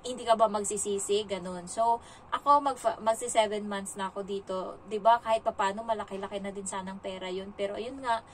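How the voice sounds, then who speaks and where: A woman's voice: medium pitch, fairly even intonation, brisk, recorded from a distance, slight background noise, poor audio. A young woman from the Philippines, a domestic helper, chatting casually in a vlog and retelling her day with lots of fillers.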